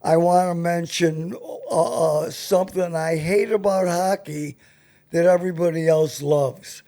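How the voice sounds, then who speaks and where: A man's voice: a little high, steady tone, unhurried, dark tone. An older man with a grumbling, opinionated way of talking, chatting casually as a talk show host. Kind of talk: casual chat.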